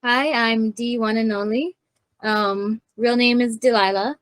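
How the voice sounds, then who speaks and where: A woman from Hawaii introducing herself in a casual panel chat, brief, shy and halting. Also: fairly high pitch, fairly even intonation, fairly bright tone, no echo. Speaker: guest panelist.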